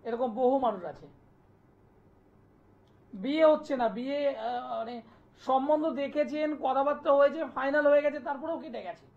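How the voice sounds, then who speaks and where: একজন জেদি, বারবার একই কথা বলা জ্যোতিষী পুরুষ. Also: male voice, moderate pace, creaky, pauses often. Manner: insistent, repetitive sales pitch, listing place names. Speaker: astrologer hosting a live TV call-in show. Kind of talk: live TV promotional talk and phone call-in. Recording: dull lo-fi broadcast sound.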